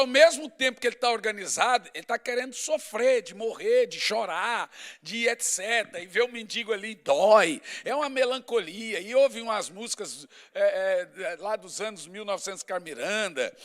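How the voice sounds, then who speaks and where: A man's voice: high-pitched, animated, moderate pace, a bit bright. A middle-aged man, a pastor preaching a sermon in a conversational, emphatic way, often listing points.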